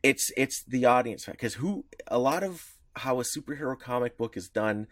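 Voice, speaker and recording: A man co-hosting a casual podcast chat, his pitch rising and falling in lively swings as he rambles and restarts his sentences. The sound is close and dry, with no room around him. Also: normal speed, dry recording. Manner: rambling, many restarts, laughs easily. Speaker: podcast co-host.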